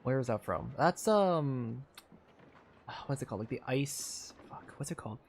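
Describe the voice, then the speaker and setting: Casual game streamer with a middling pitch. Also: expressive, a little slow, gravelly, a little hiss or hum. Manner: informal, swears. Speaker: streamer playing a video game. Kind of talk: casual gameplay commentary, reading lines aloud.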